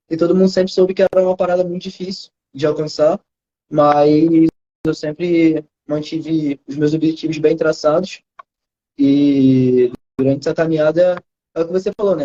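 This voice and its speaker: A young man in his twenties with a Carioca accent, a student answering interview questions over a video call in a soft-spoken, modest way. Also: fairly high pitch, muffled recording. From Rio de Janeiro, Brazil. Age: 20s. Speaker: student approved in medicine.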